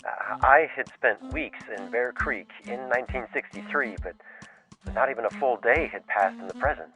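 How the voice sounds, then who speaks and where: A man's voice: mid-range voice, normal speed, pushed and bright, faint music behind, close to an everyday voice, low-quality recording. A man playing a flustered husband who narrates and talks in a hesitant, stammering way. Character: flustered husband and writer telling his tale. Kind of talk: audio drama narration and dialogue.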